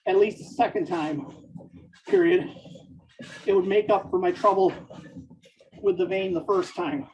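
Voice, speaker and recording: A writer reads a story out slowly, phrase by phrase, saying each comma and period aloud. The voice sits at a middling pitch and comes from some way off the microphone. The sound is dull and muffled. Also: darkish tone. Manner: slow, deliberate, pausing between phrases. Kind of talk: dictating fiction aloud with spoken punctuation. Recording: dull, distant mic.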